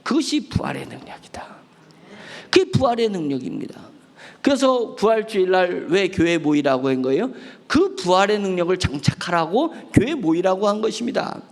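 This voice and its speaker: Gravelly, animated Korean pastor preaching. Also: male voice, sits high, normal speed, in a large hall. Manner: preaching with rhetorical questions and acted prayers. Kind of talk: sermon. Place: church sanctuary.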